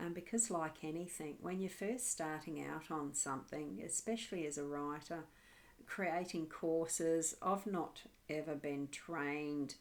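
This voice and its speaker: In an Australian accent, a woman speaks at a fairly slow pace. Her pitch is very deep and low. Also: ordinary pitch variation. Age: 60s. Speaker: writing coach and publisher. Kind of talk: solo livestream presentation. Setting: home. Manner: halting.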